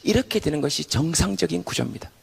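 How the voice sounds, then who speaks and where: Lively husky man in an echoing hall. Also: fairly high pitch, quick pace. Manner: animated storyteller who shouts out the quoted voices he acts. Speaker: stage talk performer. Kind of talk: comedic stage talk to a live audience. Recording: long hall reverb.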